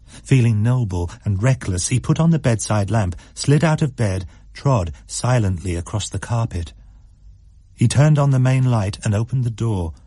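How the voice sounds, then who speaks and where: A man narrating a spooky story in a measured, suspenseful way. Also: mid-range voice, lively intonation, warm tone, dry recording, clean studio sound.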